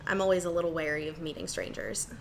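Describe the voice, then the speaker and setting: A woman's voice: deep voice, fairly even intonation, quick pace, slight background noise. A woman playing a guarded, self-conscious young small-town daughter in an audio drama, reserved and a little wry. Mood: wary.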